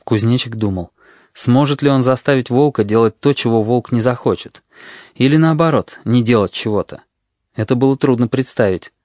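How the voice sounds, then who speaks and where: A man reading a storybook aloud in a measured, expressive way. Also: medium pitch, dry recording, studio quality. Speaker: narrator. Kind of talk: storybook narration.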